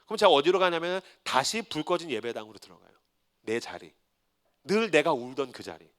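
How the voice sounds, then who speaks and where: A male pastor in his forties preaching a sermon, telling his story with humor and swinging from hushed confession to loud defiance. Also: on the high side, very animated, brisk. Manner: swings from hushed tearful confession to shouted defiance, acting out his own prayers.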